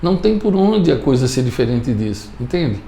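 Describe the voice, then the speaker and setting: Gravelly Brazilian man, emphatic coach. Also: medium pitch, sing-song, normal speed, warm tone, echoey room. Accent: Brazilian Portuguese. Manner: emphatic, repeats key points, often checks in with "entendeu?". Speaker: communication coach. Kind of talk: motivational talk to camera.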